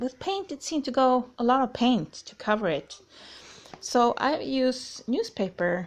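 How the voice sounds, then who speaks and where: A woman with a Swedish accent speaks at a fairly slow pace and a high pitch, her voice making very wide pitch swings and big swings in loudness. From northern Sweden. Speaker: crafter. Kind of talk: tutorial. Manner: halting.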